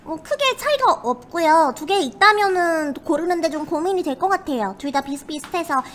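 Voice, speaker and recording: Female livestream host, girlish and very high, bright, polite and perky snack reviewer. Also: lively intonation, fairly quick. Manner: polite, perky, refers to herself by name. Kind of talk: casual livestream commentary.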